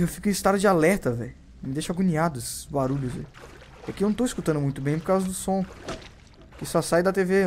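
A young man with a Brazilian accent commentating his gameplay, who swears constantly and yelps and shouts whenever he is startled. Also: high voice, a little hiss or hum. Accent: Brazilian Portuguese. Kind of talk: let's play commentary.

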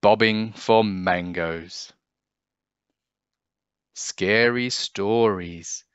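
A man reading a children's story aloud in an expressive way, acting out the characters for young listeners. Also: fairly low pitch, very slow, smooth, no room sound, lo-fi sound.

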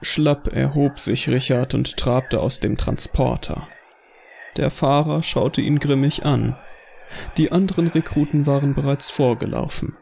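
A man's voice: medium pitch, measured pace, vocal fry, a little mellow, slight background noise. A man reading scripted narration for a horror audio drama as its narrator. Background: faint music.

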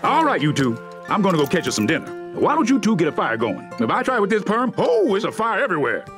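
A man's voice: high-pitched, wildly swooping pitch, quick pace. An actor playing a hearty, easygoing, folksy father in a cartoon flashback. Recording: music bed behind the dialogue.

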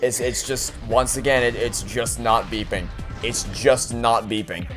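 Swearing and griping constantly, this young man voices sarcastic, exasperated gameplay commentary as a let's play host. His mid-range voice holds a steady tone at a slightly slow pace, with music in the background.

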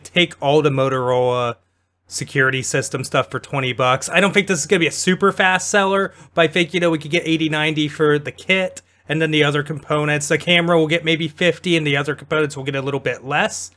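A young man with a Midwestern American accent, casually vlogging at garage sales and thinking out loud about prices, recorded outdoors on an action camera. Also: fairly high pitch, fast talker. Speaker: reseller vlogger. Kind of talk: casual vlog commentary.

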